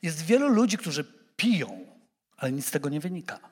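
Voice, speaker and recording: Animated preacher man in a hall. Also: fairly high pitch, a little fast, slightly rough. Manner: animated, repeats words when he stumbles; speaks directly to the congregation. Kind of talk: sermon.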